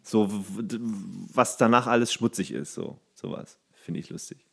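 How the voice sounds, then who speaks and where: A man's voice: fairly low pitch, lively intonation, moderate pace, vocal fry, slightly rough. A man co-hosting a podcast in casual chat, joking and teasing, laughing at his own jokes. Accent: German. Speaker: podcast co-host.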